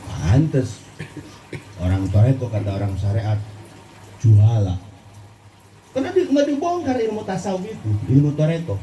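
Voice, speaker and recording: Guy giving a sufi sermon, lilt, mellow voice, echoey hall, mic far off. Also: a little hiss or hum. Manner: lively, asks the audience questions, swings between low and high pitch. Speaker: preacher. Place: gathering in a hall.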